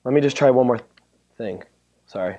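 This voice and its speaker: A man with a hoarse, worn-out voice giving a chatty, joking technical talk at a conference and bantering with the audience. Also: mid-range voice, normal speed, warm tone. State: hoarse, losing his voice. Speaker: conference speaker. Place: conference room. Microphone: handheld or stand mic.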